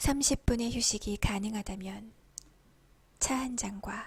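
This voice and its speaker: A woman speaks at a very slow pace, somewhat breathy and in a calm tone. Her pitch is fairly high and her intonation fairly even. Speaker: audiobook reader. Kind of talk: audiobook reading of an essay book, ASMR-style. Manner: soft, calm, slow.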